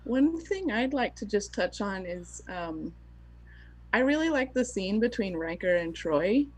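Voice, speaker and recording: A woman's voice: mid-range voice, lively intonation, a little slow, poor audio. A woman talking casually as a panelist in a group discussion. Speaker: podcast panelist.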